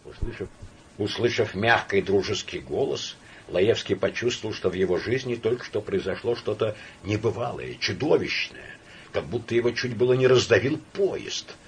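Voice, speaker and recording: A man narrating classic fiction as an audiobook in an expressive, varied storytelling manner. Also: on the low side, moderate pace, lo-fi sound, a little hiss or hum.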